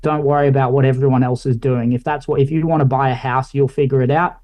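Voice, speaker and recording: A man's voice: mid-range voice, fast, highs cut off. A man in his late twenties with an Australian accent, a guest on a podcast, chatting casually and rambling a little with lots of "like" and "I guess". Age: late 20s. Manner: relaxed, rambling, many fillers like "like" and "I guess". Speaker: guest, finance analyst.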